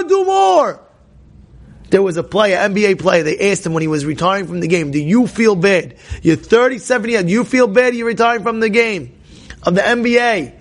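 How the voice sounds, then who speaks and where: Rabbi, male, high-pitched with a gravelly edge, preaching hard and repeating himself for emphasis. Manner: rises to emphatic near-shouts, repeats key phrases, asks and answers himself. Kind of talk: energetic Torah class.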